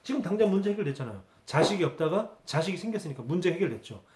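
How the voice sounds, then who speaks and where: Male pastor, higher voice, Sunday sermon, repeats key words, reverberant hall. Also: sing-song, rapid-fire, a little mellow. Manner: rhetorical questions answered himself, repeats key words. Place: church sanctuary.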